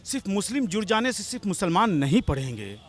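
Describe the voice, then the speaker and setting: Interviewed on the street as a local political supporter, a man speaks a little fast in a high, sing-song voice. He is impassioned and argumentative, pushing his demands and calling the interviewer madam again and again.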